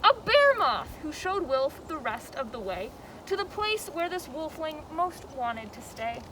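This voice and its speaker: A high-pitched woman hosts story time as a zoo educator, expressive and dramatic in her delivery. Clear outdoor noise, with some vehicle rumble, sits behind her voice. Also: a little slow. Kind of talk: animated children's storybook reading and educational talk.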